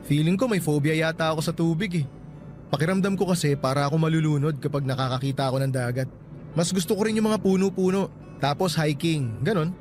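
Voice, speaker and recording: Actor as an easygoing, higher-pitched young romantic lead. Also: male voice, quick pace, darkish tone, natural voice. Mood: chatty. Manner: casual, teasing. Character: teasing, easygoing young man courting a woman. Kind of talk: radio romance drama dialogue. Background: music.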